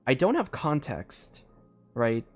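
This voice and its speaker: A man's voice: medium pitch, big pitch swings, slow, darkish tone, faint music behind. A young man giving casual live commentary on a game, rambling and thinking aloud with lots of fillers. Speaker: game streamer.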